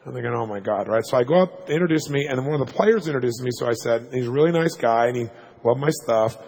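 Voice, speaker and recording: A man telling a story to a live audience as a motivational speaker, fast and punchy, checking in with "right?" asides. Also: mid-range voice, vocal fry, darkish tone, breathy edge. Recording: long hall reverb.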